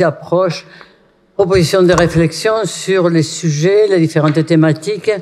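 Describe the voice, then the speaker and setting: A man with a fairly high voice opens a study day by introducing the guest speaker. He speaks in an easy, informal way, with small jokes. He is heard in a lecture hall. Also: a little mellow. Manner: informal, switching into a joking tone. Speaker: event organizer introducing the speaker. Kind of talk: introduction at a conference.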